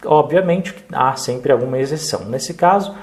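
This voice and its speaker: Brazilian Portuguese man, teacher, mid-pitched voice, explanatory review lesson with frequent check-ins. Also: moderate pace, darkish tone.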